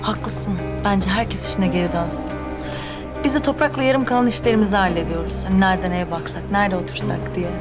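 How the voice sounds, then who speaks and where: A young actress playing a scheming rival who talks to others in a sugary, mocking, patronizing way, in a TV drama. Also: female voice, medium pitch, fairly quick, lightly acted. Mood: taunting. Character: sly, condescending young woman rival. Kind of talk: television drama acting. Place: hotel meeting hall. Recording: scene music underneath.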